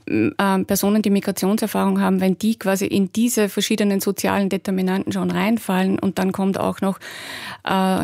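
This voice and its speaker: A woman's voice: medium pitch, creaky, a little mellow, no room sound, clean studio sound. A woman explaining as an expert guest in a radio interview, with fillers along the way.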